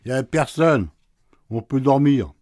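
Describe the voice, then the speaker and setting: A man's voice: medium pitch, lively intonation, measured pace, darkish tone, no echo, natural voice. An actor playing a sleepy, teasing husband in a radio play, answering his wife with dry sarcasm. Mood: grumpy, teasing. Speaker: husband woken at night.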